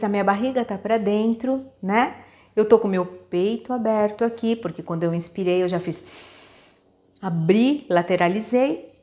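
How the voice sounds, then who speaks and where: This Brazilian singing teacher, a woman with a Brazilian Portuguese accent, speaks in a mid-range voice with a somewhat dark tone. She guides students patiently through breathing one step at a time, demonstrating and checking in with them often.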